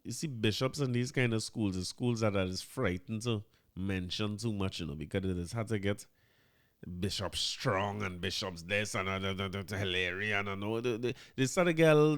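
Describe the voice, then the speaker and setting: Male podcast host, Trinidadian accent, lowish voice, chatty, dry close-mic sound. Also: fairly quick, clear, resonant tone, dry recording. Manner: chatty, animated, repeats words, mixes in Trinidadian Creole. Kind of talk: casual commentary monologue.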